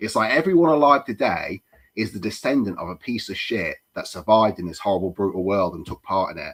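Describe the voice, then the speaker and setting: With a British accent, a man talks at a very fast pace in a fairly low pitch, his intonation lively and his loudness swinging widely. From UK. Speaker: stream participant. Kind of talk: casual chat.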